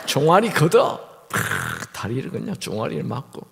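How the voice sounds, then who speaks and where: A middle-aged male guest pastor preaching a sermon in a church, telling humorous stories in an animated way. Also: medium pitch, normal speed, creaky. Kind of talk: sermon with storytelling. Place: church sanctuary. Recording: reverberant church hall.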